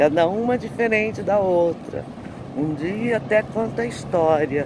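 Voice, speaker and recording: A woman talks at a very slow pace in a fairly low pitch, her intonation lively and her tone calm and relaxed. The sound is dry with no echo, though there is noticeable background noise. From Brazil. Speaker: local columnist vlogging. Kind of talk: improvised spoken verse to camera. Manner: calm, relaxed. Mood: cheerful, reflective. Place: waterside. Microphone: phone near.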